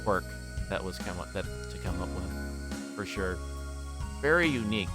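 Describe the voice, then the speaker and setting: With music in the background, a man reads visual novel narration aloud on a livestream, tossing in casual remarks and often tripping up and rereading lines. He has a low, expressive voice and talks at a normal speed.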